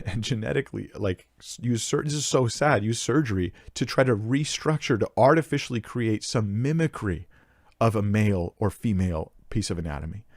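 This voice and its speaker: A young man with a low voice speaks close to the microphone in a dry, dead room. He answers a listener's question earnestly, pressing his points with emphasis and stopping to restart his sentences. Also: darkish tone, no echo. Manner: earnest, emphatic, thinks aloud with restarts and fillers. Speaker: Bible Q&A host.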